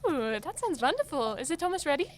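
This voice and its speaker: Woman doing naive chatty storybook girl, high bouncy voice, radio play, slight noise behind. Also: sing-song, quick pace. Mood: curious, chatty. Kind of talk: comedic audio drama acting.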